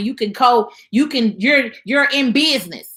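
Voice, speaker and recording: A woman's raised, projected voice, high and bright with a sharp edge, animated in tone, with ordinary pitch variation. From Chicago, US Midwest. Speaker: financial coach and business owner. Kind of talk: live stream talk to viewers. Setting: live stream on TikTok and YouTube. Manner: casual, streetwise speech.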